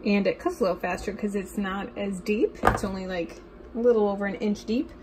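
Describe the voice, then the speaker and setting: A woman's voice: mid-range voice, steady tone, a little fast. Chatty young woman vlogging meal prep. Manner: chatty, talks baby-talk to her cats. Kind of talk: casual meal prep vlog narration. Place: home kitchen, indoors. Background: faint household appliance hum.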